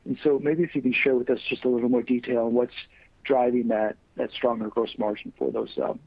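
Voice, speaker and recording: A man asking questions as a financial analyst on an earnings call, polite and halting in his phrasing. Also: medium pitch, level tone, dry recording. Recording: tinny narrow phone line.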